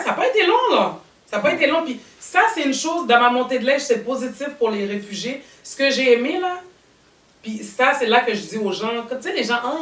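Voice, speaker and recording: A woman hosting a casual panel chat, talking in animated, rambling bursts. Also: fairly high pitch. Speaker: talk show host. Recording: roomy studio sound, mic at a distance.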